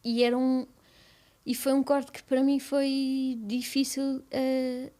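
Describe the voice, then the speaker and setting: A young woman with a European Portuguese accent, speaking softly and haltingly in a personal interview, with many restarts. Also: sits high, completely flat delivery. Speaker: guest.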